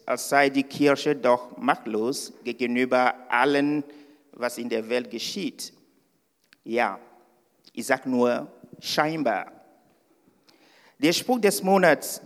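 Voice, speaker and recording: Slow, hesitant male preacher in a reverberant hall. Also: mid-range voice, creaky. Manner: hesitant, with many fillers and restarts. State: a little nervous. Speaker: guest preacher. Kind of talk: sermon. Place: church service.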